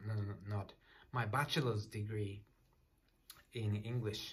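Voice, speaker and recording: A man with a Japanese accent speaks quietly at a fairly low pitch, somewhat breathy. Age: 30s. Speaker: restaurant waiter. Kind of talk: casual talk to camera. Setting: small apartment at night. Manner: quiet, hesitant. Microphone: phone near.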